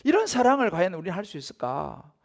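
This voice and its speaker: Lively gravelly-voiced pastor preaching. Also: male voice, high-pitched, fast talker. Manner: conversational, asks the congregation for agreement, acts out haggling voices. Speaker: senior pastor. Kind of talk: Wednesday evening sermon. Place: church sanctuary.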